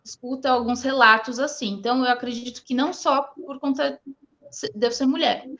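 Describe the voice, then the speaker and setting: A woman with a Brazilian accent speaking as an interview guest, conversational and halting, often stumbling over her words. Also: sits high, steady tone, fairly bright tone. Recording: dull, lo-fi online audio.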